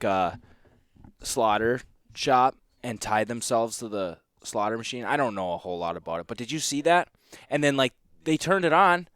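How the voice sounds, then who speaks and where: A young man, a competition duck caller, chatting casually and telling animated stories, mimicking the people he mocks. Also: medium pitch, clear, resonant tone, no room sound, studio quality. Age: young adult. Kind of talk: casual chat.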